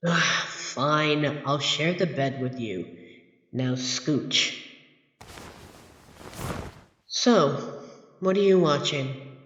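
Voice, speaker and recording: A man playing a grumpy, haughty monster from under a child's bed in an audio roleplay, speaking in a dry, pompous, deliberate way with exasperated sighs. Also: fairly high pitch, lo-fi sound. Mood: grudging. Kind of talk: scripted ASMR roleplay audio drama. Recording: echoey, reverberant room effect.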